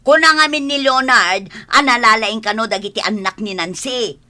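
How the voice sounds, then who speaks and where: A woman's voice: fairly high pitch, normal speed, bright, forceful tone. A woman voicing a bitter mother in an audio drama, scolding and complaining.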